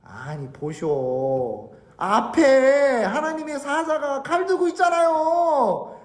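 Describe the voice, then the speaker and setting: An exasperated donkey that suddenly speaks, as a woman preacher puts it on, its voice pitched high and swooping with protest. It sounds like a storybook animal arguing back. The sound rings around a large reverberant hall. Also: expressive, takes it slowly, darkish tone. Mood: indignant. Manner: pleading, exasperated. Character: indignant talking donkey pleading its case.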